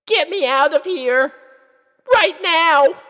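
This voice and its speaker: A woman voicing a young, nervous, flustered filly with a meek, hesitant manner and a squeaky child's voice. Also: takes it slowly, pushed and bright, heavily acted. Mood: panicked.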